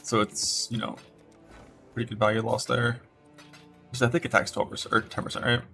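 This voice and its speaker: A man's voice: medium pitch, little pitch movement, fairly quick, creaky, pushed and bright, soft background music. A man streaming a game, casually talking through build choices in a rambling way. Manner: rambling, many fillers and restarts. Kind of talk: casual gameplay commentary.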